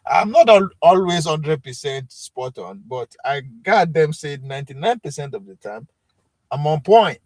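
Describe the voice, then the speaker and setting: A man's voice: on the high side, animated, measured pace, darkish tone, no echo, low-quality recording. A man with a Nigerian accent hosting a live stream, chatting with commenters in a rambling, self-assured way with many fillers. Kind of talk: casual chat with chat commenters.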